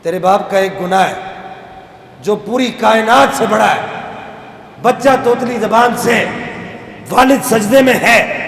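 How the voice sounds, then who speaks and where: A male preacher telling a story in an impassioned sermon, with dramatic swells into near-shouting. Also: high voice, vocal fry, pauses often. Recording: echoey hall reverb.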